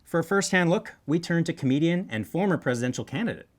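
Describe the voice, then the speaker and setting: A man's voice: on the high side, animated, fast. A man hosting a conversational political comedy show, interviewing with wry quips. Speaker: talk show host.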